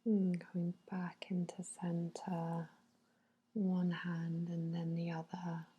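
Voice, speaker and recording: A woman whispering a soothing, unhurried ASMR massage narration in a hushed, breathy bedtime voice. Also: on the low side, completely flat delivery, lo-fi sound. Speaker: facial massage therapist.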